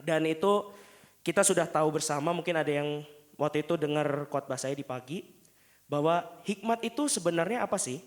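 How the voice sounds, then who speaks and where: A man's voice: a little high, brisk. A man preaching conversationally as a pastor, speaking through a face mask with a sore throat. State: sore throat, a little unwell. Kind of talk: conversational sermon. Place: church pulpit.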